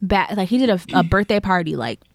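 A woman on a podcast walks through celebrity gossip at an easy, rambling pace, dropping "um" and "like" as she goes. Her voice sits at a middle pitch and is recorded close and dry, with no room sound around it. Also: animated, vocal fry, no echo. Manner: chatty storyteller, drawn-out filler-laden retelling. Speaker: podcast co-host. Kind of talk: casual gossip chat.

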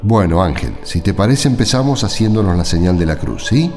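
Actor as low-voiced kindly Argentine priest. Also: male voice, big pitch swings, fairly quick, darkish tone, soft background music, full character voice. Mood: gentle, reassuring. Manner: fatherly, conversational. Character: kindly, weary male village priest, patient and reassuring. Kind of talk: radio drama acting.

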